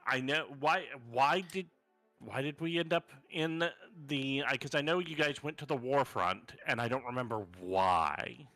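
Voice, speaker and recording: A man's voice: mid-range voice, unhurried, pushed and bright. A man running a tabletop game as dungeon master, recapping the last session in a loose, rambling way, full of fillers and self-corrections. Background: faint fantasy background music.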